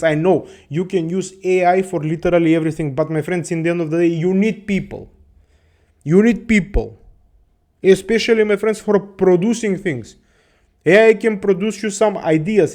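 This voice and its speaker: A man with a noticeably high voice talks off the cuff to his audience. His delivery is rambling and profane, broken up by chuckles and a constant "my friends.". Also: darkish tone. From Balkans. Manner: rambling, profane, laughs often, keeps saying "my friends". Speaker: host. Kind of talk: casual monologue to viewers.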